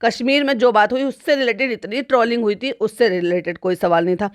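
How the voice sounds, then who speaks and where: Speaking a little fast in a slightly high voice, a female YouTube host rambles through casual commentary, repeating phrases and often exclaiming "bhai sahab." The recording is studio quality with no echo.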